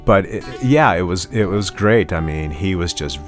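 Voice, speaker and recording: A man's voice: low voice, moderate pace, faint music behind. A man guest in a casual interview, telling stories about his life as a musician, rambling with many restarts and "you know"s.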